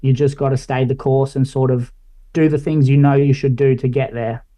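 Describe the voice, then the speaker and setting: A man's voice: medium pitch, moderate pace. A man in his late twenties with an Australian accent, a guest on a podcast, chatting casually and rambling a little with lots of "like" and "I guess". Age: late 20s. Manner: relaxed, rambling, many fillers like "like" and "I guess". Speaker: guest, finance analyst.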